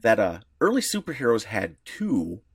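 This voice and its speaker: A man co-hosting a casual podcast, explaining in a rambling, halting way full of restarts. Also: fairly low pitch, wildly swooping pitch, gravelly, breathy edge, no room sound, clean studio sound. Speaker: podcast co-host.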